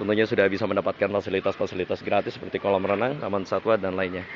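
A man's fairly low voice sounds dry with no echo, set over light background noise. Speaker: tour guide vlogger. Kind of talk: walking tour commentary. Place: waterside. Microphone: phone near.

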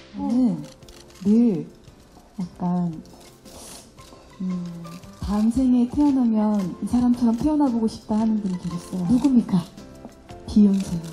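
Music plays in the background as a woman speaks at a fairly slow pace with long, frequent pauses. Her pitch is fairly high, with ordinary pitch variation. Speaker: actress. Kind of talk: press conference answer.

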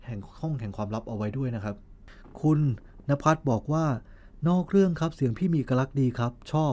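Using lively intonation, a man speaks at a medium pitch with a dark, mellow tone. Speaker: movie recap YouTuber. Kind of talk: movie recap narration. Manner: sounds affected to listeners, but says it is natural.

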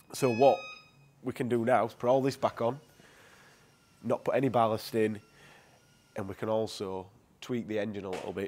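Light noise sits behind the speech. The man moves along at a fairly quick pace. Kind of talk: casual walkthrough of a car build. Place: workshop. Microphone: lapel.

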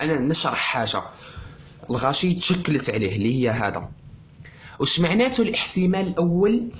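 A man's high-pitched voice in an Algerian accent, with very wide pitch swings, a moderate pace, long, frequent pauses, audible room echo and noticeable background noise. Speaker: biology teacher. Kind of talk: lecture. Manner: animated.

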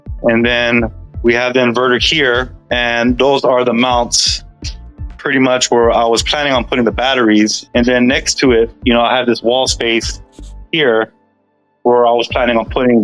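A man speaks at a moderate pace in a monotone, flat intonation. Faint music plays in the background. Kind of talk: explaining a problem on a support call. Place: garage. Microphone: video call.

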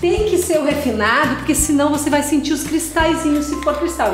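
A woman with a high-pitched voice is heard with audible room echo and clear music playing in the background. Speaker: cooking show host. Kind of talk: tutorial. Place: kitchen.

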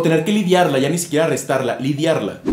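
Speaking very fast with a Mexican accent, a man with a fairly high voice is heard with audible room echo. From Mexico. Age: 20s. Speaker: YouTuber and former police officer; YouTuber. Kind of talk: casual Q&A monologue to camera. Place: home room.

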